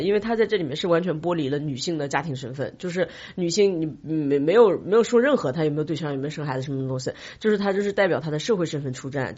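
A woman co-hosting a podcast, chatting casually and recommending things to her friends in an animated, teasing manner. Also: low-pitched, husky, highs cut off. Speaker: podcast co-host. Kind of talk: casual chat.

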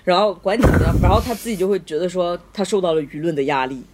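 A woman's voice: lowish voice, animated, fast, a little mellow, slight background noise. A woman co-hosting a podcast, telling a story in casual chat and laughing often. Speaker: podcast co-host.

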